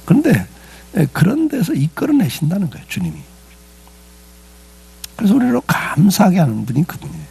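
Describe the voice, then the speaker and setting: A male pastor delivers a sermon in a gravelly, husky voice. His pitch rises and falls with lively swings as he talks, and he keeps it conversational, asking his listeners questions and answering them himself. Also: brisk, pauses often. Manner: conversational preaching with rhetorical questions and frequent "예".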